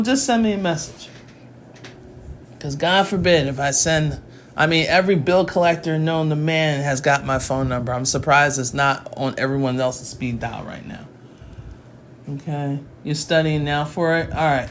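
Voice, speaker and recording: Woman math tutor going live on her phone, teasing the chat, kinda loud and laughy, bit of background hiss. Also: low-pitched, normal speed. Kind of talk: casual livestream lesson.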